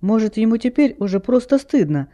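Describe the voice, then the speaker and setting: A man putting on a tearful young girl, pleading and plaintive, her voice raised high. She sounds soft and dark-toned, clinging stubbornly to her hopes in an audiobook reading. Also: animated, brisk. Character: upset young girl longing for her father.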